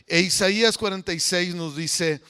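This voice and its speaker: A man's voice: high voice, moderate pace, pushed and bright, clear, resonant tone. A man preaching a conversational sermon as pastor, often putting questions to the congregation. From Mexico.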